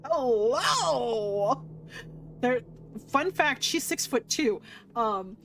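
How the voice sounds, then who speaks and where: A woman streamer playing a visual novel, reacting casually in a playful, slangy and expressive way. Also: fairly high pitch, drawn-out words, slight background noise. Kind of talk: animated read-aloud with casual reactions. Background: game music.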